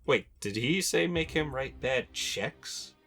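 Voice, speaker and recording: A man's voice: mid-range voice, animated, slow pace. A young adult man hosting a video game countdown with informal, personal commentary and wry asides. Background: music.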